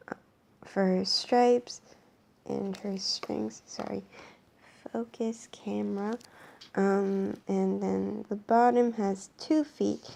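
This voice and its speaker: Young Canadian woman vlogging at home into a camera, hoarse, mellow-toned, rambling. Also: medium pitch. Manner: rambling, lots of ums and restarts. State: hoarse, voice worn from shouting. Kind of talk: casual show-and-tell vlog.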